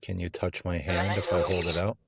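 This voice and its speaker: A man hosting a paranormal session, speaking unscripted and addressing unseen beings with polite, hesitant questions and pauses. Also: low voice, flat delivery, creaky, heavy background noise. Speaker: paranormal investigator hosting a spirit communication session.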